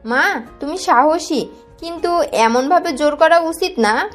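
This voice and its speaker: A woman's voice: high voice, animated, slow, faint music behind. An actress playing a proper middle-aged mother who speaks in a scolding, dignified way in an audio drama. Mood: stern.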